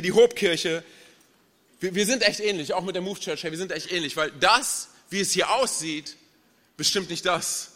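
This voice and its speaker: A young man's high, bright voice fills a church with a long hall echo. He preaches as a guest speaker, lively and chatty, throwing jokes at the congregation. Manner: energetic, chatty, tells jokes. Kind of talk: sermon. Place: large church hall with audience.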